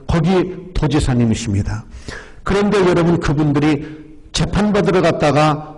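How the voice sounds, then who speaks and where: A male pastor delivers an emphatic sermon in a fairly high voice, repeatedly calling out to the congregation. His voice carries a long reverb through a church sanctuary. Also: expressive, moderate pace, a little mellow. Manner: emphatic, often addresses the congregation.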